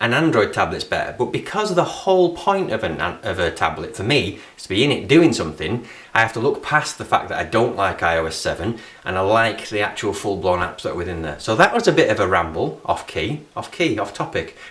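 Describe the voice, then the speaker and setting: A man with a northern English accent talks at a fairly quick pace with hardly any pauses. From northern England. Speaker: tech reviewer. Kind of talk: vlog review. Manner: fast.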